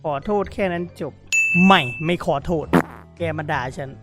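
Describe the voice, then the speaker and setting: Man, game commentary, excitable, reads chat aloud, music in the background. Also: high voice, normal speed. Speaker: gaming YouTuber.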